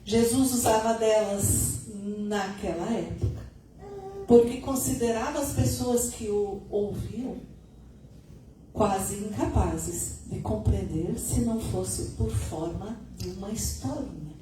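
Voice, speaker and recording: A middle-aged woman giving a conversational spiritist lecture, her voice still a little hoarse. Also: mid-range voice, takes it slowly, dark tone, recorded from a distance. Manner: conversational, adds tag questions. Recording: echoey room, recorded from afar, noisy.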